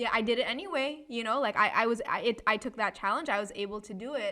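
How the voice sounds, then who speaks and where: Speaking with an American accent, a woman uses a high pitch, a bright, sharp tone and ordinary pitch variation. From Indonesian raised abroad, Singapore and US. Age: 20s. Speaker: startup CEO. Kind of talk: casual podcast interview, Indonesian-English code-switching. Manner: fast.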